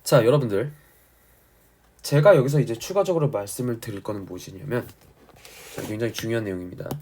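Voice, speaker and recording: A male teacher giving an exam-prep lecture on literature, explaining didactically and emphatically and often checking that students follow, his voice husky from a sore throat. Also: on the low side, quick pace, darkish tone, slight background noise. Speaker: Korean language and literature teacher.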